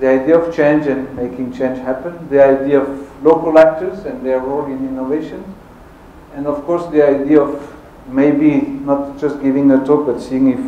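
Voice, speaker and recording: Over noticeable background noise and audible room echo, a man speaks in a fairly high pitch with flat, monotone intonation. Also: moderate pace. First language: French. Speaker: agronomy researcher. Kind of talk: seminar talk. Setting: auditorium with audience. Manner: informal, conversational.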